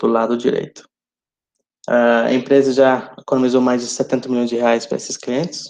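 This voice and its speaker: Speaking with an English accent, a man of medium pitch keeps a moderate pace in a flat monotone. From England. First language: English (speaking Portuguese). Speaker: business consultant and local politician. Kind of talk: presentation. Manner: halting, many fillers.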